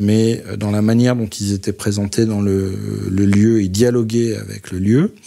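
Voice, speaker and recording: A man speaks in a fairly low, dark, mellow tone. His intonation is monotone and flat, and his pace is fairly slow. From Paris. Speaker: photographer. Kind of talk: interview answer. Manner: slow, thoughtful.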